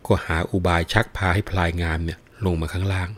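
A man with a fairly low voice narrates an old folk tale. He tells it in a lively, dramatic way, leaning on the key moments. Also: fast. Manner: breaks into chanted verse recitation. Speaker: storyteller. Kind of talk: retelling a classic folk tale.

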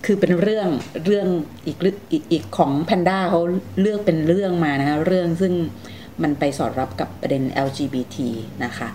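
A woman's voice: on the low side, brisk, mellow, a little hiss or hum. A woman hosting a conversational interview, politely asking questions and summing up with some hesitation. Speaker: interviewer, show host.

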